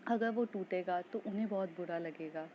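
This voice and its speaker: A woman's voice: fairly low pitch, moderate pace, highs cut off, a little hiss or hum. A woman narrating a love story in a plain, conversational storytelling manner.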